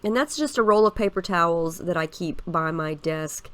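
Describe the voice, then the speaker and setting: A woman's voice: on the low side, normal speed, no room sound. A woman in her thirties with a stuffy, scratchy voice from a head cold, chatting casually as she narrates a scrapbooking process. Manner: chatty, relaxed, explains each step with fillers. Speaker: scrapbooking video host.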